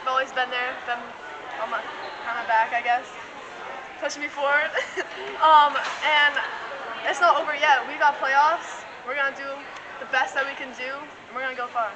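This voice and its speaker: A teenage girl basketball player answering postgame questions in a shy, halting way. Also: high-pitched, fairly even intonation. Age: teens. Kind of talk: postgame interview. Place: school gym. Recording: loud crowd noise in gym.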